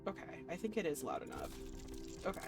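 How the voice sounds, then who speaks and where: Expressive woman streaming a visual novel. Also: sits low, brisk, vocal fry. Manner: expressive, playful, excitable. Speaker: game streamer reading a visual novel aloud. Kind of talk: expressive read-aloud mixed with casual reactions. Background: faint music.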